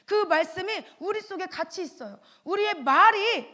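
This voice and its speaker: A woman with a very high voice preaches to children in an animated way. She keeps asking the children questions and plays out little scenes with different voices. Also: moderate pace. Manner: acts out voices of the devil, children and God. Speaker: pastor's wife giving a children's talk. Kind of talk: children's sermon with acted dialogue.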